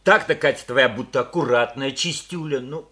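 A man's voice: mid-range voice, moderate pace, bright, forceful tone, lightly acted. A man playing a blunt village husband. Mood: gruff. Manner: blunt and plain-spoken. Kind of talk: radio play acting.

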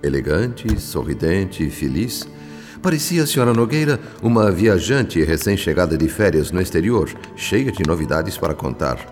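Deep, reverberant solemn narrator. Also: male voice, very animated, normal speed, darkish tone. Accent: Brazilian. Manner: solemn, literary. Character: solemn male spirit narrator, literary and judgmental. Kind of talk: scripted dramatic narration. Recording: long reverb, faint music behind.

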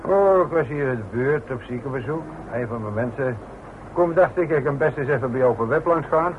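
On a narrow, muffled radio recording with faint hiss, an actor plays a jovial male visitor in a drama. He has a mid-pitched voice and a breezy, teasing, familiar manner with slight hesitations. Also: animated, fairly quick, natural voice. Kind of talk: radio play acting.

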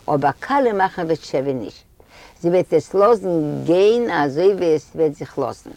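A storyteller reading a story aloud at an unhurried pace, voicing the characters' dialogue. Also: medium pitch, dark tone, no echo.

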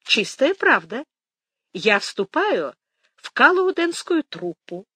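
A woman's voice: on the high side, very animated, slow pace, fairly bright tone, breathy edge, dry recording, pitched above the performer's own voice, heavily acted. A woman reading the part of a headstrong young woman who talks in a cheeky, defiant way.

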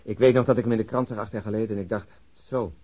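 A man's voice: fairly low pitch, fairly even intonation, racing, breathy edge. A man playing a grumbling, sardonic middle-aged police detective in a radio drama, bantering. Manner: sardonic, bantering, food-loving. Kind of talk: Dutch radio drama dialogue. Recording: dull lo-fi radio drama recording.

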